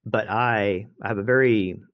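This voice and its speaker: A podcast host with a fairly low, fairly even voice talks at a normal speed, casually rambling with plenty of restarts and fillers. The podcast audio is dry and muffled.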